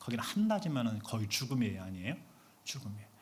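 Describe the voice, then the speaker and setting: A man with a medium pitch speaks in a calm, gentle tone with lively intonation. Audible room echo surrounds the voice. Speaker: pastor. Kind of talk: sermon. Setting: church. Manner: calm, gentle delivery.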